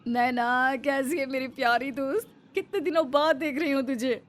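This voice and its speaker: A woman's voice: high voice, normal speed, close to an everyday voice. A woman voicing a confident, modern young woman friend in a cartoon, breezy and lecturing. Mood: cheerful.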